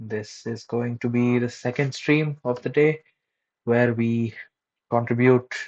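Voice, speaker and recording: Mumbling at a fairly slow pace, a man talks at a medium pitch. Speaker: live-coding streamer. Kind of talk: live coding stream. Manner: hesitant, many fillers.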